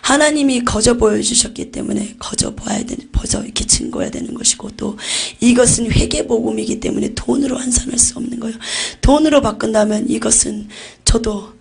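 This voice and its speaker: A woman's voice: on the high side, a little fast, creaky, darkish tone. A woman giving an intense religious testimony about visions, often dropping to a near-whisper. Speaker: testimony giver.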